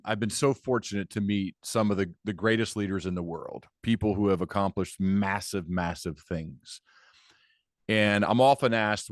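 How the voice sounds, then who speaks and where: A man's voice: on the low side, no room sound, clean studio sound. A man hosting a conversational interview podcast, thinking aloud enthusiastically with emphatic repetition. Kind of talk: conversational long-form interview.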